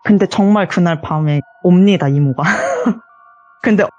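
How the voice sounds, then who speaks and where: A woman's voice: lowish voice, animated, unhurried, a little mellow, dry recording, dull audio. A young woman telling her own ghost story as a caller on an interview show, earnest and quoting others in acted lines. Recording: voice call with faint music behind.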